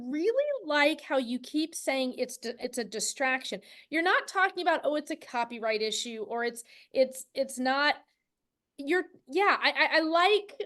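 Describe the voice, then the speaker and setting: Female interview host, very high voice, effusive and conversational, restarts thoughts as she goes. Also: fairly bright tone. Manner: effusive, often restarts and rephrases mid-thought. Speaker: podcast host interviewing guests. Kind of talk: casual enthusiastic interview chat.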